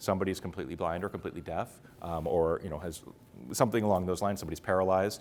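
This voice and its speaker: A man's very deep, low pitch at a very fast pace, with fairly even intonation. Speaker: conference speaker, web agency owner. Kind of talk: conference talk. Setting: stage with audience. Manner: many fillers (um, uh).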